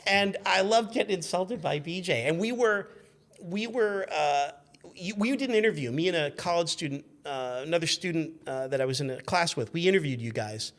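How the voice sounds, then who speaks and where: A man in his fifties telling casual anecdotes as a guest, in an animated, rambling way, acting out what people said. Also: a little high, moderate pace. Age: 50s. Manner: animated, rambling, acts out remembered quotes.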